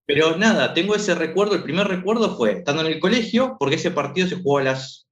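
A man in his thirties from Argentina, with an Argentine accent, talking casually as a guest and filling his pauses with "este". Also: on the high side, animated. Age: 30s. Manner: rambling, lots of filler "este". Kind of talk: casual chat.

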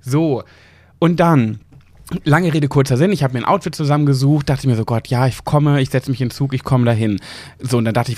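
A man's voice: medium pitch, no room sound. Chatty German podcast guy, dry sound. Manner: chatty storyteller, easily distracted, animated. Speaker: podcast co-host. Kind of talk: casual chat.

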